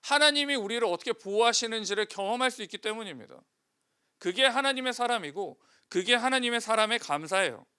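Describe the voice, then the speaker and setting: A man's voice: very high-pitched, animated, brisk, pushed and bright, clear, resonant tone. A male pastor preaching a sermon, putting questions to the congregation and answering them himself.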